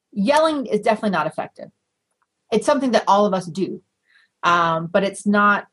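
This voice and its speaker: Husky-voiced woman explaining research. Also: medium pitch, low-quality recording. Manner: measured, explanatory, with light laughs and fillers. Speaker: research guest. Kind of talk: conversational interview.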